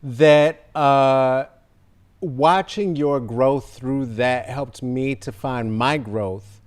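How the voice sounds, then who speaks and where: A baritone-voiced podcast host in his forties conducts a casual interview over a video call from home, using a studio mic in frame and an earbud. He's animated and emphatic, gesturing as he talks and drawing out his words.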